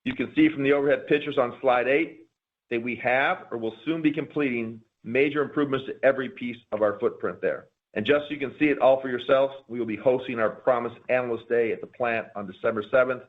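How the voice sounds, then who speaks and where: A man reading a prepared corporate presentation in a formal, measured way, as a company executive on an earnings call. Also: mid-range voice. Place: conference call. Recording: narrow, phone-like conference call line.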